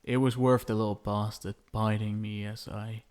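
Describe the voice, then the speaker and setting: A man playing a possessive, lovestruck vampire husband in an intimate ASMR roleplay, crooning softly with tender pet names and a gravelly edge. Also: on the low side, level tone, moderate pace, lightly acted. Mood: fond, amused. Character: possessive, lovestruck yandere vampire husband, menacing yet doting.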